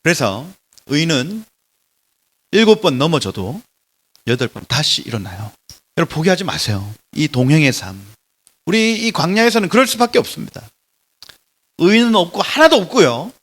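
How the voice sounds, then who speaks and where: A man preaching a lecture-style sermon in a church, emphatic and animated, swinging between loud exclamations and soft drops. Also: a little high, normal speed, pauses often. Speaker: pastor giving a Bible lecture.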